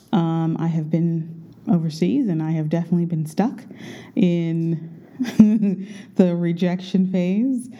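A jet-lagged woman talks to her viewers in a loose, rambling way, often stopping to correct herself. She is recording under a blanket in her bedroom, so her voice sounds heavily muffled and very dark. Her voice sits fairly low. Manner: chatty, rambling, self-correcting. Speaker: vlogger. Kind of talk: casual chat to viewers.

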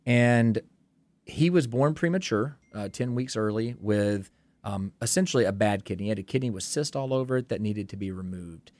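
A man's voice: on the low side, normal speed, darkish tone, dry recording. A man, a pastor from Tennessee, candidly telling his story as a podcast guest. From Tennessee, USA.

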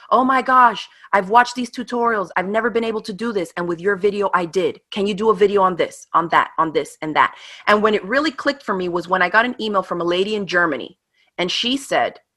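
A woman in her thirties, a guest in a casual interview, telling her story in an animated, quick way with laughs. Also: medium pitch. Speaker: guest, online craft teacher.

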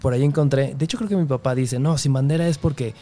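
A man's voice: mid-range voice, fast, dark tone, slight background noise. A man with a Mexican accent hosting a casual, conversational interview. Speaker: interviewer, host.

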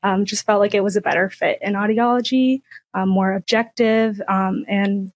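Relaxed candid young woman, dry sound. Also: mid-range voice, normal speed, no room sound. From Cincinnati. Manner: relaxed, candid, many ums. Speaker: audiology student guest. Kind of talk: casual interview answers.

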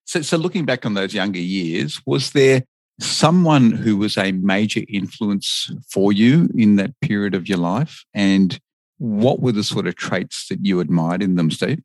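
A man's voice: fairly low pitch, unhurried, darkish tone, dry recording. A man hosting an interview podcast, chatty and conversational as he asks questions. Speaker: podcast host.

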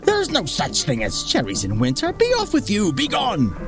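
A man voicing a gruff, grasping, suspicious palace guard who blusters and bullies in a storybook tale. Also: high voice, huge pitch swings, moderate pace, music in the background, voice pushed up, full character voice. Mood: gruff challenge.

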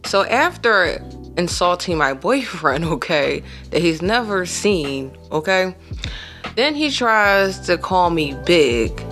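A woman in her thirties hosting a podcast, telling a personal story in a casual, animated way with emphatic asides to her listeners. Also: fairly low pitch, slow pace, faint music behind. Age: 30s. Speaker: podcast host.

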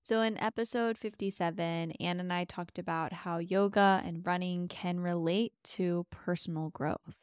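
A woman guiding a meditation softly and soothingly, giving gentle, slow, spacious instructions as a host. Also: on the low side, steady tone, clean tone, no room sound, studio quality. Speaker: meditation podcast host and guide. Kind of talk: soft, soothing guided meditation.

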